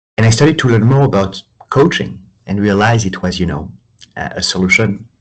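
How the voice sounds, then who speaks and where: A man with a strong French accent and fairly low pitch speaks at a fairly quick pace, broken by long, frequent pauses. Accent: heavy French. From France. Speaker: startup founder and CEO. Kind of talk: interview. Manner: hesitant, many fillers.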